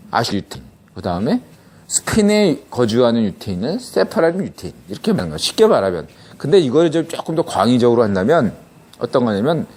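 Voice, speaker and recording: A man's voice: a little high, mellow. A middle-aged man hosting a podcast, explaining a topic in a casual monologue, often breaking off and checking in with listeners. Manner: conversational, many restarts and rhetorical checks like "예?". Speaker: podcast host.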